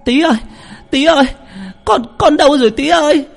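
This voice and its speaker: Shrill, panicked village wife played by a male narrator, high and shouting. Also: vocal fry, soft background music. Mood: panicked wailing. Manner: shrieking, wailing, drawn-out cries.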